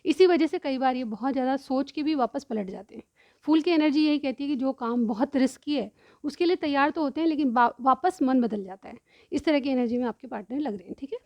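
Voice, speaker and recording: A woman reading tarot cards for her viewers. She explains each card in turn, often says "theek hai", and keeps clearing a sore throat. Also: high-pitched, brisk, no room sound, highs cut off. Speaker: tarot reader.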